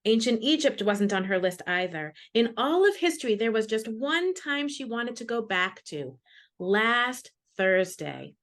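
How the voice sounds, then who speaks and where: A woman's voice: a little high, very animated, a little slow, a bit bright. A woman, a children's author, introducing and reading her picture book to classrooms over a video call.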